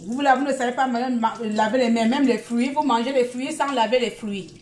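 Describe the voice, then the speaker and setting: A woman from Gabon talks straight into her phone during a live stream. She rambles and repeats herself, lecturing her viewers and then drifting into casual chat. Her voice sits a little high. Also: fairly quick, darkish tone, slight background noise. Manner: talkative, scolding and repetitive, mixing sermon and chat.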